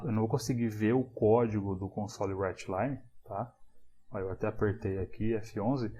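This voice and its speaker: Low-voiced man teaching code. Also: darkish tone, dull audio. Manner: casual, explanatory, frequent tag questions. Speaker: programming instructor. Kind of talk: screencast coding lesson.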